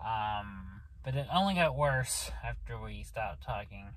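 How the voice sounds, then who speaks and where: Audible room echo surrounds a man speaking very slowly with an American accent. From Oklahoma. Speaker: vlogger. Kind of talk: casual vlog monologue. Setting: in a parked car at night. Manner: halting, many fillers and restarts.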